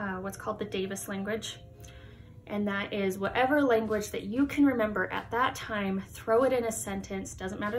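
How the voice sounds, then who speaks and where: A woman with an American accent talks at a fairly quick pace, at medium pitch and with fairly even intonation. Noticeable background noise and audible room echo are present. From grew up partly in Europe (Croatia) and the US. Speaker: YouTuber. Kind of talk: casual chat.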